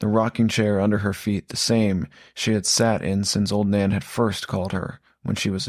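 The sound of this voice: What we hear is an unforced reading voice.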